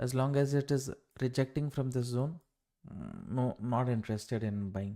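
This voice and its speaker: In a South Indian accent, a man with a medium-pitched voice and a dark, mellow tone speaks at a moderate pace, on a very clean recording with a silent background and a dry, close sound with no echo. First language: Kannada or Tamil. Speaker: crypto trading streamer. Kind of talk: live trading stream commentary. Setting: live stream. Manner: hesitant, many fillers.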